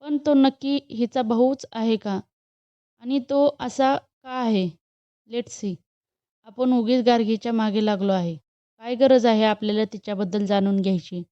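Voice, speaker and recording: A woman's voice: on the high side, steady tone, unhurried, lo-fi sound, close to an everyday voice. A woman voicing a short-tempered young male boss who gives curt commands in a storybook reading. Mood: brooding. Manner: curt, commanding, mixing in English phrases.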